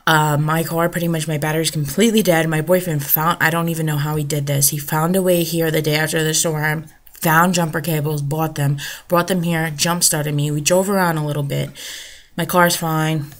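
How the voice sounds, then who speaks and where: An American woman giving an unscripted, serious personal vlog account in a halting, rambling way, with a gravelly fry in her voice. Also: low-pitched, flat delivery. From United States, New Jersey shore. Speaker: vlogger, storm survivor.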